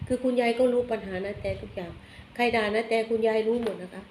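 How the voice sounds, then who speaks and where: A woman giving a casual tarot reading, chatty and blunt, softening her phrases with polite particles. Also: fairly high pitch, steady tone, fast talker. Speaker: tarot reader. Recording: echoey room, faint background noise.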